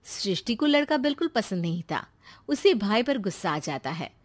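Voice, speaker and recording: A woman narrating a cartoon story in a plain, steady storytelling voice. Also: mid-range voice, moderate pace.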